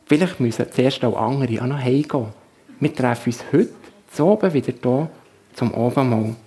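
A man's voice: medium pitch, moderate pace, warm tone, natural voice. A man playing a resolute village church leader. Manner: calls out to the congregation.

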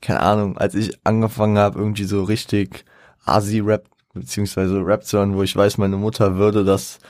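Low-voiced German podcast host, rambling. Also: male voice, little pitch movement, moderate pace, a little mellow, dry recording, studio quality. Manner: rambling, self-correcting, laughs often. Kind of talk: casual music commentary.

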